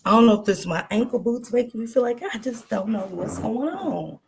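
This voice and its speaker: A woman's voice: fairly high pitch, fairly quick, vocal fry. A woman with a stuffy nose hosting a casual livestream, chatting straight to her viewers with lots of ums. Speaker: true crime commentary host.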